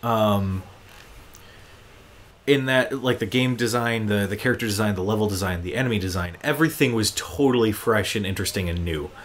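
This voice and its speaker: A man's voice: on the low side, brisk. A man hosting a gaming show, giving casual gameplay commentary in an informal, enthusiastic fan's manner.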